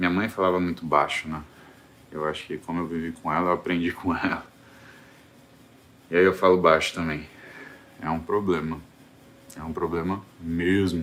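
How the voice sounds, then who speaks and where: A soft-spoken man with a very deep, low pitch talks at a moderate pace in a monotone, flat delivery, leaving long, frequent pauses. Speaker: doctor hosting a live Q&A. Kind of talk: live Q&A stream. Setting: livestream. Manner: conversational. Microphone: no headset, quiet voice pickup.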